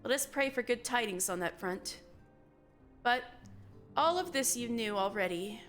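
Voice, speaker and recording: A calm, formal woman leader giving counsel, as a woman streamer reads her lines aloud, her voice a touch high and measured in pace. Faint game music plays behind her. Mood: grave counsel.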